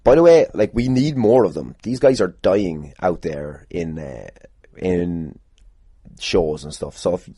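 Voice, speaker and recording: A man's voice: deep voice, mellow, breathy edge, no echo. An Irish man hosting a casual solo podcast, answering listener questions in a rambling, jokey way with plenty of swearing. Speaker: podcast host, pro wrestler.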